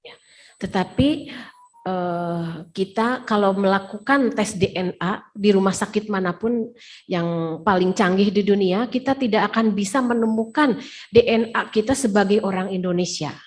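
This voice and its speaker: A woman's voice: mid-range voice, moderate pace, darkish tone. A woman interpreting a lecture over a video call, rephrasing each passage with frequent hesitation fillers. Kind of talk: consecutive interpreting.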